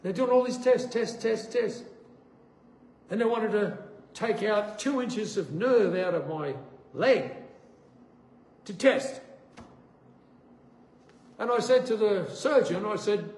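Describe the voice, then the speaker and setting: A man giving a sermon testimony, an animated storyteller who acts out the voices in his stories. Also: high-pitched, takes it slowly, pauses often. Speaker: preacher. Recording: echoey room with faint noise.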